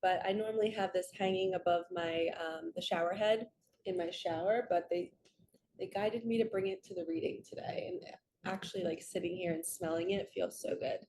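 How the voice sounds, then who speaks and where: A woman with a slightly raspy, just-woken-up voice, hosting a casual spiritual reading vlog in an earnest, chatty way that drifts into stories. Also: on the low side, animated, moderate pace, a little mellow, slight background noise. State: raspy from waking up and allergies. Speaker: host, spiritual card reader.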